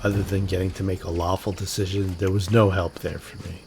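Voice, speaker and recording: A man's voice: sits low, little pitch movement, a little fast, noisy background. A man giving casual gameplay commentary, wry and sweary, muttering to himself as he plays. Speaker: video game player making a gameplay recording. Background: game music.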